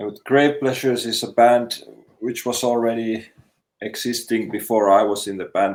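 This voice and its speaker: This is a man speaking. He has a Finnish accent. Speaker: metal musician. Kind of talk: podcast interview. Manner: halting.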